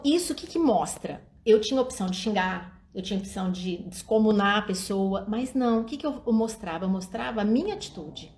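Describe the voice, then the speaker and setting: Her pitch fairly high, a middle-aged early childhood education speaker talks about child-rearing on a live stream recorded outside at night. She speaks straight to her audience, voicing what parents and children might say.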